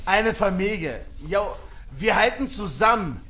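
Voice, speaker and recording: An actor playing a nervy, grumbling young gang member who stammers and talks in slang in an audio drama. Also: male voice, sits high, animated, unhurried, sharp tone, slight background noise, full character voice. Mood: grumbling, uneasy. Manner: stammering, repeats first words, slangy. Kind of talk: German audio drama acting.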